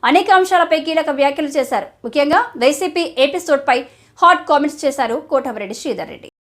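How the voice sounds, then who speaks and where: A woman news presenter delivers a scripted report in a high voice. She moves quickly from line to line at a brisk pace. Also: animated.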